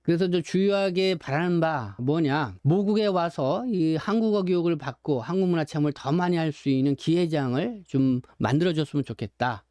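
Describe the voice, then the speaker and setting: Man, mellow low-edged timbre, dry sound, informal news rundown, discursive explanations, addresses viewers directly. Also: normal speed, hardly any pauses, no echo. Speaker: newspaper publisher presenting his paper's contents.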